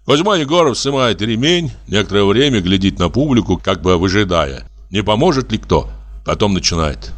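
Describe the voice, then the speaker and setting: A man reading a classic short story aloud as an audiobook narrator, in an expressive, measured way. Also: lowish voice.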